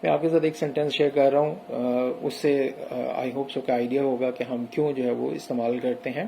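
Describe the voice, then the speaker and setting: Mellow-voiced male teacher explaining grammar. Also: medium pitch, fairly even intonation, creaky, slight background noise, low-quality recording. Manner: explains step by step, mixing in English examples. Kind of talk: recorded classroom lecture.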